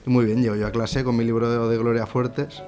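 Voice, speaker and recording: A man's voice: medium pitch, level tone, fairly quick, darkish tone, soft background music. A man with an accent from Spain, casually telling an anecdote as a radio collaborator.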